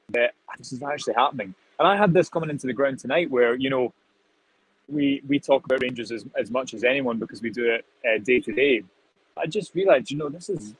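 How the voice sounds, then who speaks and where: Husky young reporter. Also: male voice, mid-range voice, poor audio. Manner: thoughtful, rambling, many restarts. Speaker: football reporter, guest. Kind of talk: live reaction analysis. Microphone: video call.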